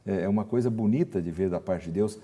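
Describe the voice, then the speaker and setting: A Brazilian man hosts a religious talk show with a low, mellow voice. He moves the conversation along in a friendly presenter's way, often agreeing with his guests. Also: quick pace. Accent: Brazilian Portuguese. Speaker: TV Bible program host.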